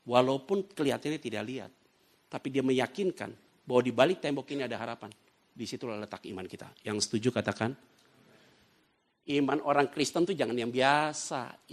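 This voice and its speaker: A man preaching a sermon, telling stories and acting out the voices of the people in them. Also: mid-range voice. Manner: lively storytelling preacher who acts out dialogue. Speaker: pastor. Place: church.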